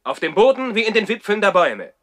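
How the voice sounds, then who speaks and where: An actor playing a defiant, courtly young baronet in a German radio play from the 1960s. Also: male voice, high-pitched, sing-song, fast, a bit bright. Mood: proud, defiant. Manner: stilted courtly politeness turned cheeky and defiant. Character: defiant young baronet boy living in the trees.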